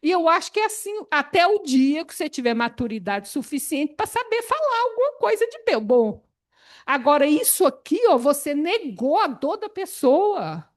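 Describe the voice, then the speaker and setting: A woman, leading a spiritist study group in an animated, expressive way. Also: high-pitched. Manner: animated, expressive, laughs often. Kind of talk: spiritist Bible study talk.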